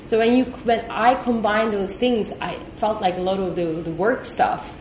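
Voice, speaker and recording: A woman's voice: mid-range voice, steady tone, normal speed, darkish tone, slight background noise. Woman from Turkey in an echoey office. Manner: thoughtful, repeats words as she thinks. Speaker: company executive guest. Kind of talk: interview answers. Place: office meeting room.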